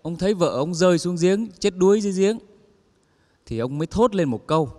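A man's voice: high voice, expressive, brisk, a little mellow, in a large hall. A man telling a string of comic stories to an audience, acting out the quoted lines. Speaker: comedian telling jokes. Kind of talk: stand-up joke telling.

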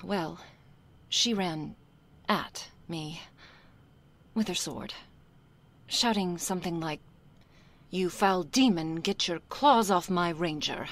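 A woman voicing a nervous, sheepish young succubus in a soft, hesitant ASMR role-play. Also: fairly low pitch, takes it slowly. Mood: sheepish, affectionate. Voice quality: soft, husky, breathy. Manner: hesitant, flustered, succubus-like soft intimate delivery. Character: nervous young female succubus, reluctant, sheepish, affectionate daughter.

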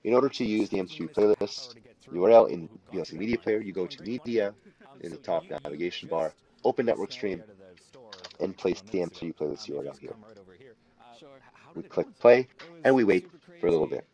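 Narrating over a screen recording, a deep-voiced presenter walks through software step by step without a script. His delivery is animated yet deliberate and instructional, and the audio quality is poor.

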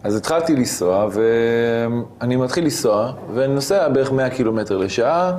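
A man as an interview guest, telling a personal story in an animated way and acting out the scenes he describes. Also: medium pitch, slight background noise.

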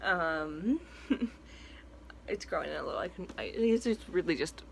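In a small room at home, a young trans man records a chatty vlog update, rambling with lots of fillers and restarts while his voice occasionally cracks. His voice is a little high and gravelly, with lively intonation and a measured pace, and there's slight background noise.

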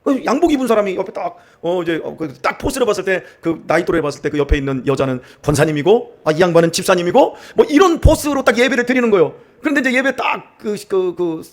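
A middle-aged male pastor from central Korea preaches in a church sanctuary, his voice sitting high for a man. He swings widely up and down as he tells humorous stories and acts out how other people talk. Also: quick pace, hardly any pauses. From Chungcheong region, Korea. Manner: animated, acts out dialects and laughs while telling stories. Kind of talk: sermon with humorous storytelling.

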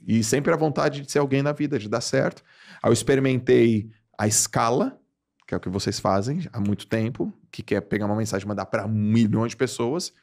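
A man from Brazil in his forties, a podcast guest telling stories in casual slangy chat, with big jumps in pitch for emphasis. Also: a little fast, vocal fry, a little mellow.

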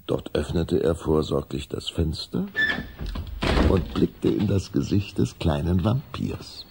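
A man's voice: sits low, slow pace, gravelly, heavy background noise. A man delivering scripted storytelling narration as the narrator of a children's audio drama.

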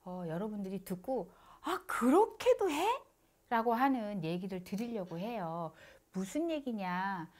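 A woman shaman telling a funny story to camera in a lively, dramatic way, indoors. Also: medium pitch.

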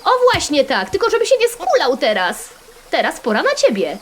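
Excitable high-pitched Polish woman gaming. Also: normal speed, a little hiss or hum. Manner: playful and excitable, with sudden squeals and sing-song chants. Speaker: gaming channel host. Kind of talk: playing and narrating a browser game.

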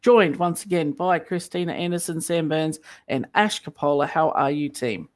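Podcast host, mid-pitched, upbeat, chatty, leads the conversation. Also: normal speed. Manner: upbeat, chatty, leading the discussion. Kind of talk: podcast hosting.

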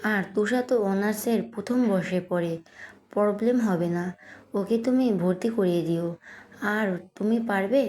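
A woman reading as a gentle, patient father in an audio story, calm and quietly persuasive. The voice is mellow and warm, read at an even storybook pace. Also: mid-range voice, unhurried, lightly acted.

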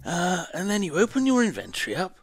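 Man, theatrical polite presenter patter, somewhat high, faint music underneath. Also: huge pitch swings, fairly quick. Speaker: streamer doing an impression. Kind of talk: mock-posh gameplay tutorial.

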